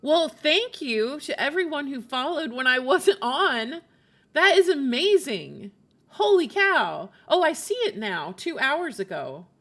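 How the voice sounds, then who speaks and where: Bright-voiced woman chatting on a game livestream. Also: high voice, sing-song, a little slow. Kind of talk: casual livestream chat while playing.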